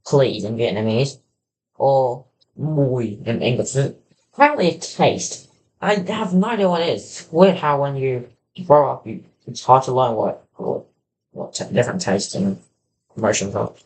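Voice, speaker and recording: A livestreamer casually reacting to a video, talking in halting stretches and thinking aloud. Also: mid-range voice, darkish tone, rough recording. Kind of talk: casual live reaction chat.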